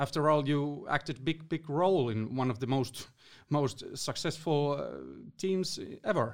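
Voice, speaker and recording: On a very clean recording with a silent background, a man with a Finnish accent speaks fairly slowly in a fairly high pitch with ordinary pitch variation. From Finland. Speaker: podcast co-host. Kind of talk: casual interview.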